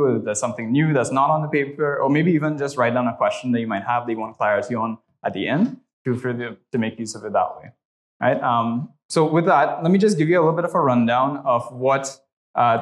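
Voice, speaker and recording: A young Trinidadian man with a Trinidadian accent teaches a church class and leads a prayer. He talks conversationally at a medium pitch, often adding "right?"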